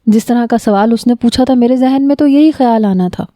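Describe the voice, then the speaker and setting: A woman's voice: on the high side, mellow, no echo, clean studio sound. A woman narrating a first-person story in an emotional, confiding manner.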